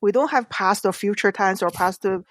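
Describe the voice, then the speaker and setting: A woman's voice: medium pitch, moderate pace, dry recording. Woman with a Chinese accent, dry sound. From China. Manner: earnest, explains with examples, non-native grammar. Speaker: author guest. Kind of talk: podcast interview.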